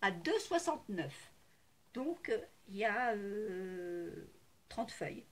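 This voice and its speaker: Speaking slowly but very animatedly at medium pitch, a crafting vlogger walks viewers through her haul. She's casual and hesitant, packing in fillers, gushing, and repeating herself.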